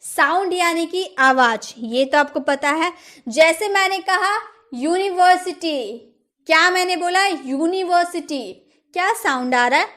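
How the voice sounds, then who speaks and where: A woman's voice: very high voice, lively intonation, moderate pace, bright, forceful tone. A woman teaching English grammar for exam prep. She asks the class questions, answers them herself, and stresses key words by repeating them.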